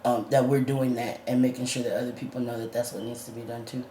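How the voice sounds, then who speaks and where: A man's voice: mid-range voice, little pitch movement, fast, mellow, reverberant, slight background noise. A trans man vlogging in casual chat. He uses a lot of fillers and laughs often, and his voice is going up and down and sometimes cracks.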